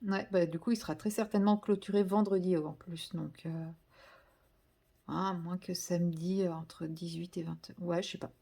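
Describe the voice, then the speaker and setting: A woman's voice: lowish voice, steady tone, moderate pace, gravelly, dark tone, slightly rough. A woman chatting casually to viewers while she colours, rambling and correcting herself as she goes. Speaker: vlogger.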